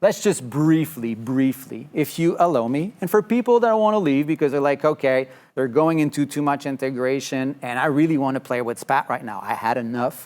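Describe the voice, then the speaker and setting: In a French-Canadian accent, a man speaks with lively intonation at a fairly high pitch. His pace is moderate, with hardly any pauses. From Quebec. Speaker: software trainer. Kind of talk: online training session. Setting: online webinar. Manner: halting, filler-heavy.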